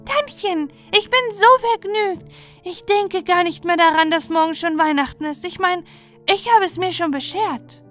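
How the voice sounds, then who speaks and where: A woman's voice: very high voice, moderate pace, faint music behind, pitched above the performer's own voice. A woman voicing a sweet, generous little girl in a storybook, with an earnest and eager childlike delivery. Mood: contented, sleepy. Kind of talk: storybook character voice.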